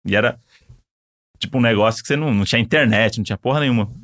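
A man's voice: medium pitch, very fast, fairly bright tone, no echo, clean studio sound. A young adult man, co-hosting a podcast in a casual, jokey, rambling way. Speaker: podcast co-host. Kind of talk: casual chat.

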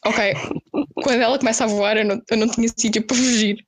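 Her voice a little high and her pace quick, this young woman with a European Portuguese accent recounts a story to friends. She keeps it casual and animated, full of slang and quotes she acts out. There's no echo.

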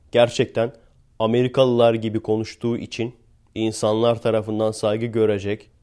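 A man from Turkey hosts a podcast, delivering a casual monologue in a chatty, sarcastic, rambling way and laughing often. His voice is lowish with a dark tone.

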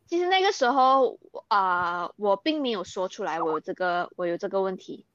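A woman's voice: mid-range voice, animated, moderate pace, a bit bright, dry recording, lo-fi sound. A young Malaysian woman speaking Mandarin with a Malaysian accent, earnestly recounting things in an interview and mixing in English words. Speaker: interview guest, athlete. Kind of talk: candid interview.

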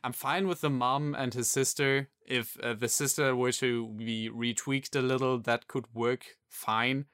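Measured man in a podcast chat. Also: mid-range voice, fairly even intonation, a bit bright, clean tone, no room sound, studio quality. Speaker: podcast co-host. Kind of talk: casual podcast discussion.

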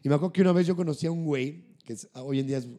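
A man's voice: a little high, racing. A young man with a Mexican Spanish accent, telling personal stories in a casual podcast chat and acting out other people's lines. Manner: animated storyteller who acts out voices.

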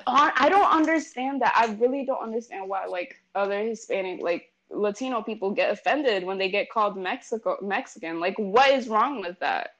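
A young woman in casual chat, blunt and profane, talking in an animated way. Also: medium pitch, moderate pace, few pauses, rough recording. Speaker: interviewee. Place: New York.

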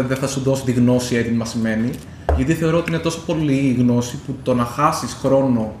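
A man's voice: medium pitch, a little mellow. A man co-hosting a podcast, chatting casually and circling back with fillers and restarts. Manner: rambling, many fillers and restarts. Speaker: podcast co-host. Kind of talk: casual chat. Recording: echoey room with faint noise.

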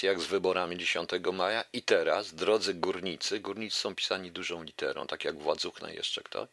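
A man's voice: low voice, sharp tone, no room sound. A man hosting his own radio show, reciting his poems in a solemn, declaiming voice with casual asides to listeners. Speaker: internet radio host and poet. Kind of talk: poetry reading with casual asides.

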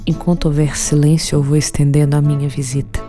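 A woman acting in a radio drama as a sinister, taunting inner voice, slow, menacing and poetic, with a Brazilian accent. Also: low-pitched, little pitch movement, warm tone, soft background music, natural voice. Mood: mocking.

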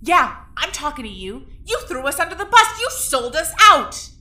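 Defiant young woman, very high bright voice. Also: big pitch swings, moderate pace, full character voice. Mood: furious accusation. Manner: blunt, foul-mouthed, impassioned. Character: defiant, fiercely loyal young female prisoner. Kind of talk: audio drama acting.

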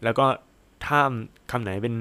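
A man's voice: moderate pace, pushed and bright, no room sound. A man hosting his own solo podcast, talking casually in a rambling, chatty way with lots of fillers and exclamations. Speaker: podcast host.

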